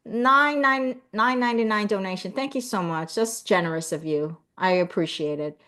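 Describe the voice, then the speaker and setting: A woman's voice: medium pitch, moderate pace. A middle-aged woman, born in South Korea and raised in the US, hosts a live stream in casual, earnest chat. She reads out viewer comments and often adds "you know" and "right?". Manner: lively when thanking viewers.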